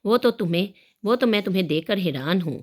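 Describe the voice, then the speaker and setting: A woman reading the part of a middle-aged mother who speaks firmly and calmly in a storybook narration. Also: mid-range voice, pitched above the performer's own voice, close to an everyday voice. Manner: firm, composed. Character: middle-aged mother, firm but gentle.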